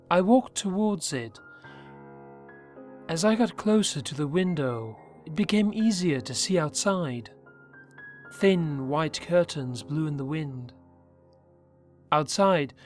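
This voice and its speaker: A man reading a first-person horror story aloud, measured, dropping low and quiet at the tense parts. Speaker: narrator. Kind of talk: scripted horror story narration.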